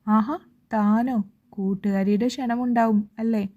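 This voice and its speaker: A woman voicing a grieving young man who pleads gently, in a slow choked manner, on a dull lo-fi recording. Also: on the high side, steady tone, close to an everyday voice. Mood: hurt.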